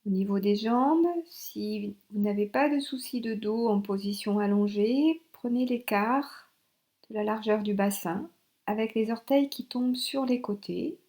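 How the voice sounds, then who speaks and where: A woman instructor leading a guided yoga relaxation in short instructional phrases with pauses. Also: mid-range voice, mellow.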